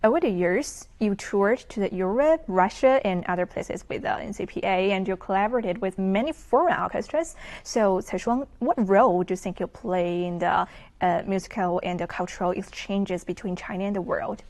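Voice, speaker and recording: A woman's voice: medium pitch, moderate pace, darkish tone. Woman interviewer asking careful questions. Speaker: interviewer, host.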